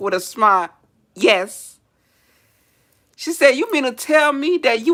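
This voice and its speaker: Her voice is high, bright and sharp. The woman projects it loudly and sounds animated. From Haiti. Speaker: hairdresser, live streamer. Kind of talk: casual storytelling livestream. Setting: live stream.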